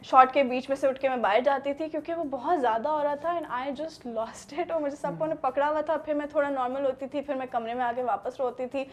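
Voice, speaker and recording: An actress in an interview, telling a lively story and mixing two languages as she talks. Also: high voice, hardly any pauses. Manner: animated storytelling, mixing Urdu and English. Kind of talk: casual interview chat.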